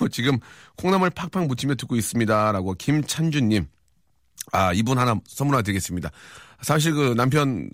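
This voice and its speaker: A middle-aged man hosting a live radio show, reading listener texts with quick, teasing banter and lots of fillers. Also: mid-range voice, no room sound, studio quality. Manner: fast, joking, teasing banter with frequent fillers. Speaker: radio host. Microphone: studio microphone.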